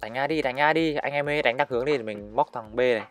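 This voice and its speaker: A man giving live commentary over his own shooter match, excitably calling out enemies and urging his teammates on. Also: medium pitch, fast, soft background music. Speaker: gaming channel host.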